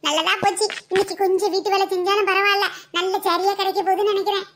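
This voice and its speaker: A woman's voice: very high voice, level tone, quick pace, a bit bright, a little hiss or hum. A woman voicing a sly, eager young sister-in-law in a cartoon comedy who giggles as she wheedles. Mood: giggly.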